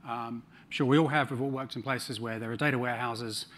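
A man's voice: medium pitch, fairly even intonation, fairly quick, a bit bright. A middle-aged man with a New Zealand accent giving a conference talk on a large stage, with dry humor and frequent ums. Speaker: conference speaker.

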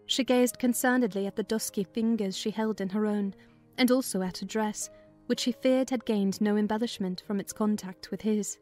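A woman's voice: mid-range voice, fairly even intonation, normal speed, a little mellow, soft background music. A woman narrating a classic novel as a scripted, dramatized audiobook reading.

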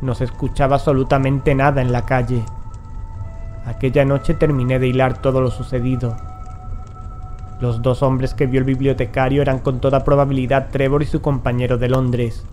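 A man's voice: medium pitch, flat delivery, moderate pace, mellow, soft background music, natural voice. An actor as solemn male investigator. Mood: solemn, haunted. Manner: solemn, foreboding. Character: grave, determined male investigator confronting cosmic horror. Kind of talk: dramatic audio drama acting and narration.

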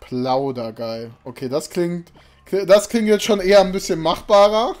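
A young man with a high-pitched voice talks at normal speed while live-streaming a game in a small home room. He rambles casually to his viewers and sometimes blows up in exasperation. He's recorded on a desk mic with a webcam, faint game music playing behind.

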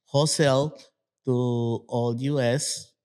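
A Guatemalan man in his fifties, a native Spanish speaker, is a guest in a casual interview, speaking haltingly in broken English about his plant nursery. His voice is medium-pitched and a little mellow, with fairly even intonation.

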